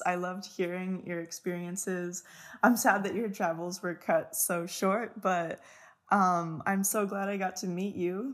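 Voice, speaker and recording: A woman at medium pitch and fairly slow pace, a normal speaking voice. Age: 20s. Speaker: podcast host. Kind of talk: interview.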